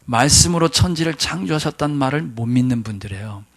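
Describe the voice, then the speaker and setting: A man preaching a sermon in a church, animated and full of questions to the congregation. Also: medium pitch, fast talker. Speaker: pastor. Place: church sanctuary.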